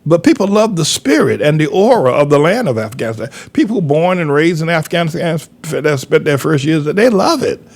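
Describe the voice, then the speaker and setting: Emphatic older pastor, lively pitch. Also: male voice, moderate pace, hardly any pauses. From North Carolina, USA. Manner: emphatic, repetitive, folksy. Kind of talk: preaching commentary monologue.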